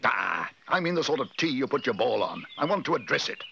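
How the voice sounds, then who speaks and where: A man's voice: mid-range voice, big pitch swings, fairly quick, vocal fry, sharp tone, lo-fi sound, slight background noise, pitched above the performer's own voice, full character voice. A man voicing a pompous, bossy, irascible neighbour who blusters indignantly in a children's storybook reading. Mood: self-important.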